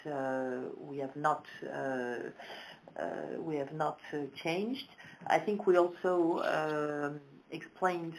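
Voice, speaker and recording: A woman executive answering questions on a financial conference call, halting and hesitant with frequent pauses. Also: sits low, a little hiss or hum, rough recording. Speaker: company executive.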